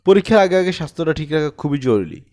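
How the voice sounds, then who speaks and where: A man's voice: on the high side, lively intonation, fast, a little mellow, pitched above the performer's own voice, close to an everyday voice. A man voicing a meek, earnest, eccentric elderly male exercise teacher, deferential and pleading, in an audiobook story. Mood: earnest, eager. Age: older.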